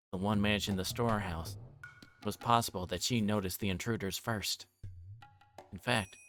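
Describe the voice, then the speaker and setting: A man's voice: fairly low pitch, fairly bright tone. A man reading a visual novel aloud on a livestream, narrating in first person and occasionally stumbling over words. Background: game music.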